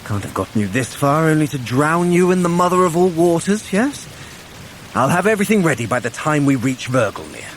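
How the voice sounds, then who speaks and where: An actor playing a vain, clever trickster god in an audio drama, talking in an arch, self-satisfied and theatrical way. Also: male voice, fairly high pitch, very animated, brisk, slight background noise. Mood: teasing encouragement. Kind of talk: scripted audio drama acting.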